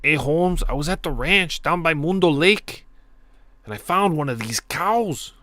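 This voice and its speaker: A man voices a worried middle-aged rancher calling the police, using an exaggerated Mexican accent and an urgent, pleading manner. His delivery is animated, loud and high at a measured pace, in a dry recording.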